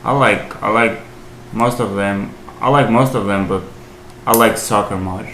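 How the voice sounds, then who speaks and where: Albanian man, halting English, low voice. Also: fairly bright tone. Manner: halting, searching for English words. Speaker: podcast guest. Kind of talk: casual interview answers. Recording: echoey room, faint hiss.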